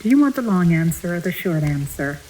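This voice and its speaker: Mysterious female attendant, lowish voice, very animated intonation, courteous and knowing, audio drama. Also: brisk, background noise. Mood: knowing, amused. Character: enigmatic, courteous female attendant of otherworldly rooms.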